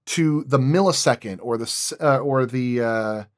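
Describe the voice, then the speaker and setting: A man chats as a podcast guest about his work as a sound designer. He speaks at a middling pitch and explains things casually, often repeating words as he thinks aloud. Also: normal speed.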